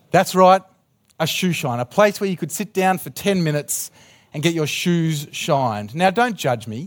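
Lively intonation at a moderate pace with an Australian accent, on a very clean recording with a silent background. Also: man, high pitch for a man. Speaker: pastor. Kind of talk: sermon. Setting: church.

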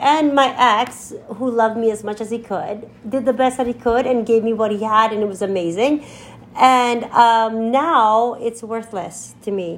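Speaking fairly slowly with an animated tone, a woman with a Filipino accent has a fairly high pitch. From Philippines. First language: Filipino language. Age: 40s. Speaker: podcast co-host. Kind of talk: casual chat.

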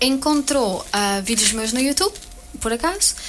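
A woman speaks at a fairly slow pace in a high pitch with lively intonation, with noticeable background noise. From Belgium, Portuguese family. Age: 20s. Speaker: singer and songwriter. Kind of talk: radio interview. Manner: halting, many fillers.

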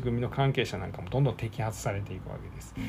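With ordinary pitch variation around a medium pitch, this man speaks very fast. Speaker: true crime podcaster. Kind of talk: casual solo narration. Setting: home recording in own room. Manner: filler-heavy, hesitant.

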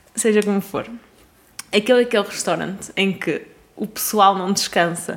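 With a European Portuguese accent, a woman talks at a moderate pace and medium pitch. Her intonation is fairly even, broken by long, frequent pauses. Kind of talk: casual chat.

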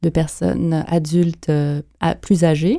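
A woman's dark, mellow tone at a very slow pace. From Montreal, Quebec. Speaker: art therapist and researcher. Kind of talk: radio interview.

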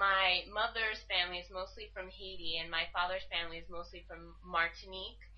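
A woman speaks with a New York accent, with audible room echo. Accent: New York American. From US Northeast, Long Island, New York. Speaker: master's student. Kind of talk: casual interview.

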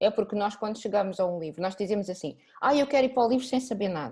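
A woman speaks with a European Portuguese accent at a medium pitch. Her tone is dark and mellow, with ordinary pitch variation. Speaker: book podcast host. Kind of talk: casual chat.

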